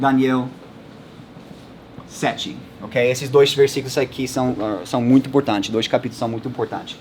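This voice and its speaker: Noticeable background noise surrounds a man speaking at medium pitch. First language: English (speaking Portuguese). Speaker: pastor, prophecy teacher. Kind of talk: lecture. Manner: code-switching, halting.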